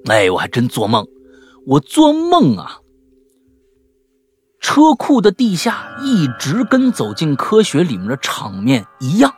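A man hosting a podcast and reading out listener stories in a chatty, animated way, dropping to hushed tones for the eerie parts and breaking off with jokey asides. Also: a little high.

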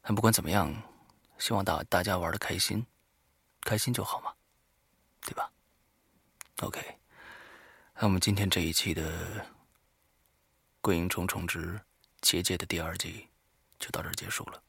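A man talking informally and haltingly to listeners as the host of a horror story show, alone in a studio. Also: deep voice, steady tone, vocal fry, a bit bright, husky, no room sound. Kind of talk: informal spoken monologue to listeners.

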